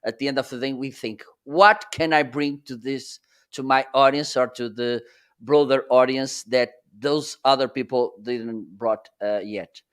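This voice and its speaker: A middle-aged man with a Portuguese accent, a native Portuguese speaker, chatting casually as a guest on a live stream over a video call, laughing often and phrasing haltingly. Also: medium pitch, steady tone, a bit bright, clean tone.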